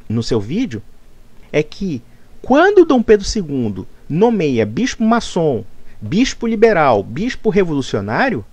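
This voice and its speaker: A man's voice: on the high side, a little mellow, no room sound. A man delivering an argumentative, lecturing rebuttal monologue. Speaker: commentator.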